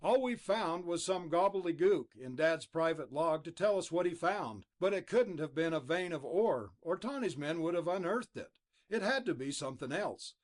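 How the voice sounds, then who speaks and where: A man's voice: high voice, voice pushed up. A man voicing an earnest young man, the son of a missing miner.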